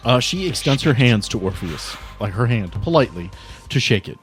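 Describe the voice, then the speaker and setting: A man's voice: mid-range voice, big pitch swings, normal speed. Informal male game master over music. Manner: conversational, informal. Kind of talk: improvised tabletop game narration.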